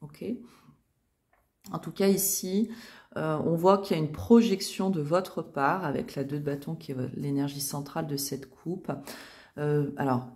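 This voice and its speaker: A woman's voice: deep voice, steady tone, measured pace, a little mellow. A woman giving a chatty tarot reading, with many fillers and restarts. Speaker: tarot reader. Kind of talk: casual tarot reading video.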